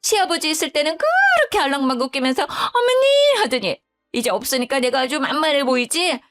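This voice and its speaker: A woman's voice: high voice, very animated, quick pace, a bit bright, faint music behind, voice pushed up. Woman putting on a grumbling old mother-in-law. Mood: indignant. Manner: blunt, grumbling, self-pitying. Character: sulky, sharp-tongued widowed older mother-in-law.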